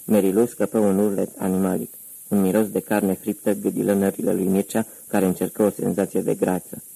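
Brief: male audiobook narrator, very low and flat, dark, husky. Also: no echo, rough recording. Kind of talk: audiobook narration of a crime novel.

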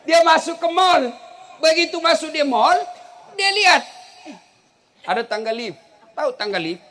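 A middle-aged male preacher, giving a humorous religious lecture and telling stories with shouts and laughter. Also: very high voice, measured pace, a little hiss or hum. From South Sulawesi. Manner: animated storytelling, bursts into shouts and laughter.

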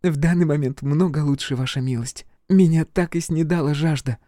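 A man's voice: on the high side, moderate pace, warm tone, no room sound, clean studio sound, pitched above the performer's own voice, natural voice. A male reader voicing a shy, polite young common-born girl, humble and respectful.

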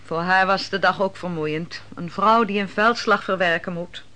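An actress playing a shrewd, probing aide to a prophetess in a Dutch radio play, speaking in formal, articulate questions. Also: female voice, on the low side, moderate pace, bright, forceful tone.

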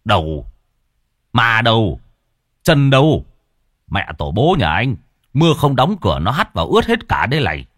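A man's voice: mid-range voice, wildly swooping pitch, normal speed, dry recording, studio quality. A man voicing a short-tempered older father who grumbles and curses at his son. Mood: grumbling. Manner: grumbling, cursing.

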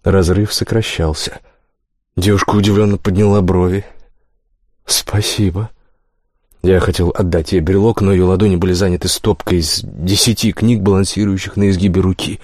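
A man narrating a first-person novel as an audiobook, calm and steady, with wry asides. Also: deep voice, fairly quick, no room sound, clean studio sound.

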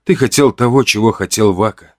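A man's voice: on the low side, fairly quick, lightly acted. A man voicing a young tribal healer woman who speaks firmly and demands answers. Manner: firm, demanding.

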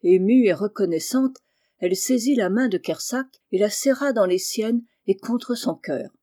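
A woman reading a classic children's novel aloud in a measured, even storytelling manner. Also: medium pitch, no room sound, clean studio sound. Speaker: audiobook reader. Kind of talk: scripted narration.

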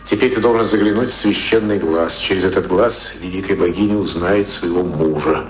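An actor playing a calm, worldly cult initiator who guides a newcomer in a matter-of-fact, patronising way in a radio drama. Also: male voice, low-pitched, fairly quick, close to an everyday voice. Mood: patronising, businesslike. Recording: roomy studio sound with loud music.

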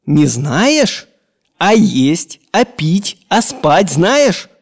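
A man doing a fussy, scolding old gentleman. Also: sits high, very animated, extremely slow, vocal fry, voice pushed up, heavily acted. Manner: scolding, nagging, theatrical. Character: fussy old gentleman, grumbling tyrannical hypochondriac. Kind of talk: audiobook character reading.

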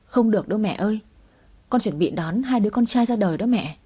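A woman's voice: medium pitch, lively intonation, brisk, mellow, slightly rough. A woman voicing a selfish adult son on a phone call, pleading with his mother to push his wife into a divorce. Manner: pleading, insistent.

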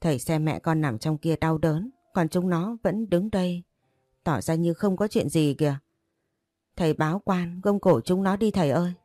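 Woman doing an hysterical grieving daughter, storybook figure, shrill accusations, low mellow tone, dry sound. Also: moderate pace, no room sound, natural voice. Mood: pleading. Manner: shrill accusing rants, sobbing pleas.

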